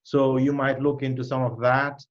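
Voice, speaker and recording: A man hosting a live online question session speaks directly and with emphasis, his pitch jumping up on key points. His voice sits in the middle range and comes through slightly dull video call audio. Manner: direct, emphatic advice, with quick lively pitch lifts. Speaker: host and cybersecurity educator.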